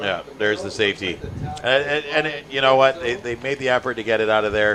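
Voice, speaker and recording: At a very fast pace, a man with a medium-pitched voice talks over noticeable background noise. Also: ordinary pitch variation. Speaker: football game commentator. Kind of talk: live sports commentary. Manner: casual, animated.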